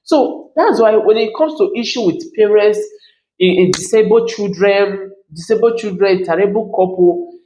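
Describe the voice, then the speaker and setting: A woman's voice: medium pitch, moderate pace, dark tone. Emphatic woman in an echoey room. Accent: Nigerian. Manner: emphatic, keeps asking "you understand?". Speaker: commentary channel host. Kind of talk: reaction commentary monologue.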